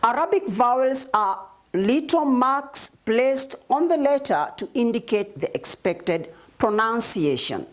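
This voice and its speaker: A woman with a Kenyan accent teaching Arabic short vowels, reciting letters and syllables one by one in a slow, deliberate drill. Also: a little high, lively intonation. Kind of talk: slow spelling drill lesson.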